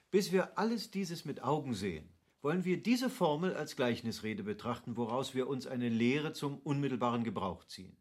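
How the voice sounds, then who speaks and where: A man's voice: mid-range voice, lightly acted. A man playing an eager, persuasive aristocratic husband in a radio play, speaking in eloquent, formal literary phrases. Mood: playful, persuasive.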